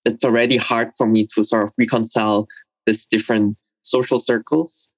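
Young man from Indonesia, interview guest, lowish voice, dry close sound, measured and reflective. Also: flat delivery, breathy edge, no room sound, low-quality recording. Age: young adult. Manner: thoughtful, measured, with fillers. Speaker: interviewee, university student. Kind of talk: recorded interview.

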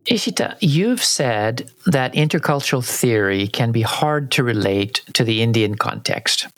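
A man who hosts a podcast and leads the discussion with explanations. His voice sits in a middle pitch, and the recording is dry, with no room sound. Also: expressive, a little slow, a bit bright, no echo, soft background music. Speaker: podcast host. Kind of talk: podcast conversation.

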